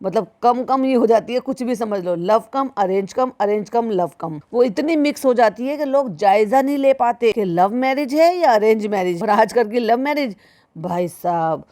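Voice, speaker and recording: A woman's voice: a little high, animated, moderate pace, warm tone. A woman giving critical reaction commentary in a sarcastic, scolding manner, often speaking straight to the listener. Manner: sarcastic, scolding, mimics the people she mocks; keeps addressing the listener as "bhai sahab".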